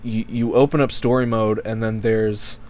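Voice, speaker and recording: A low-voiced man talks in a loose, rambling way on a casual podcast. He circles his points with fillers and restarts. He hiccups now and then. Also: little pitch movement, moderate pace, darkish tone. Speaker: podcast co-host. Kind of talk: casual chat.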